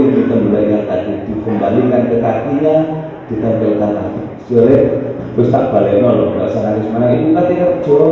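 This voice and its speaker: A man with a Javanese accent giving a motivational talk to teachers as a trainer, telling stories and putting questions to the audience. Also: medium pitch. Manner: animated storyteller, asks the audience questions. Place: village hall. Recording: echoey hall, far-off dull mic, noisy.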